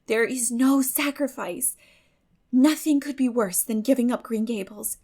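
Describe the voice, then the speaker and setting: Woman playing an eager, high-voiced teenage girl. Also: measured pace, a little mellow. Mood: determined, hopeful. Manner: eager, effusive, dreamy, emphatic. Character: bright, determined, idealistic sixteen-year-old girl. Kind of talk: dramatic audiobook reading of a classic novel.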